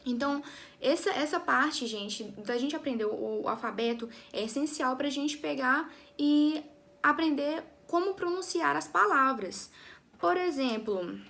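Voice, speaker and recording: A woman's voice: high voice, measured pace, gravelly, fairly bright tone. A young woman teaching an English lesson to her students, chatty, often checking in with her class and restarting her sentences.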